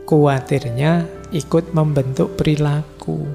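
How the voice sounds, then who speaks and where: A man's voice: on the high side, steady tone, takes it slowly, creaky, warm tone. A middle-aged man giving an informal lecture in a large mosque hall, talking conversationally and teasing his listeners with everyday examples. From Indonesia. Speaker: philosophy lecturer. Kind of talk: informal religious study lecture. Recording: long hall reverb with faint music.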